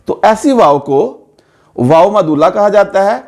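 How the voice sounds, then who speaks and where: A male language teacher walks students through a pronunciation rule. He speaks in a slightly raised register and pauses on each example word so the class can hear it properly. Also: high-pitched, animated, darkish tone. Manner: slow, careful, repeats words for pronunciation. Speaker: Urdu grammar teacher. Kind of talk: explanatory lesson to students.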